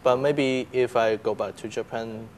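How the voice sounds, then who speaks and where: A man's voice: mid-range voice, fairly even intonation, unhurried. Chatty young man, slight noise. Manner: chatty, laughs, uses fillers. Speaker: student guest. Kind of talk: casual interview answers. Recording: faint background noise.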